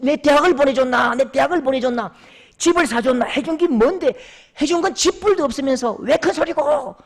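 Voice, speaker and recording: A man playing a drunk, bitter young man who shouts accusations at his father in a Gyeongsang accent. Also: very high-pitched, fairly quick, slightly rough, voice pushed up. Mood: resentful.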